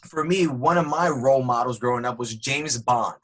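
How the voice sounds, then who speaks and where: Husky-voiced man as podcast guest. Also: medium pitch, normal speed, a bit bright. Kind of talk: conversational interview.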